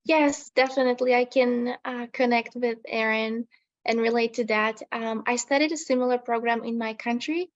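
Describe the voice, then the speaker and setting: Flat-toned woman on a call. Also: on the high side. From Slovakia. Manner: careful, slightly halting speech. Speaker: nursing student panelist. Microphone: video call. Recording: dull video-call audio.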